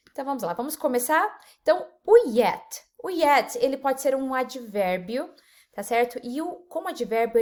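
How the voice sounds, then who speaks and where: A woman with a Brazilian Portuguese accent giving an upbeat online English lesson, slowing down to model English phrases. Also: a little high, a little mellow. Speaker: English teacher.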